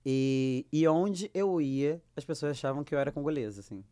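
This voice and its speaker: A Brazilian woman with a Brazilian Portuguese accent, a guest actress telling lively anecdotes and acting out the dialogue she quotes. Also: low-pitched, moderate pace. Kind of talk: casual storytelling.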